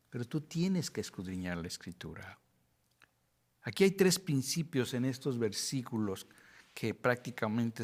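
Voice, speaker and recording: A man's voice: medium pitch, a little mellow. A middle-aged man with a Mexican Spanish accent, teaching a Bible study with his wife as co-teacher. He speaks earnestly and often restarts his words.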